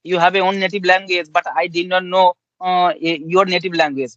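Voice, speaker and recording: A Bengali-accented man from India with a high voice talks politely, often repeating his phrases. The audio is dull and lo-fi, with a dry, close sound. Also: level tone, fairly quick, a bit bright, dry recording. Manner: polite, repetitive, simple phrasing. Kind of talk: casual chat.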